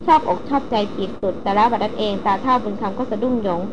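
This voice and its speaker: A woman reading a novel aloud as its narrator, in a lively storytelling manner. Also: medium pitch, fast talker. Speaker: audiobook narrator. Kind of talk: scripted narration. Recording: dull lo-fi with crowd noise.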